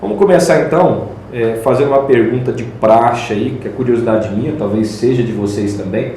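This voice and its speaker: A man's voice: medium pitch, fairly quick, mellow, heavy reverb, slight background noise. A man hosting a podcast, asking curious, friendly questions in casual conversation. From Campo Grande, Brazil. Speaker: podcast host. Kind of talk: casual interview.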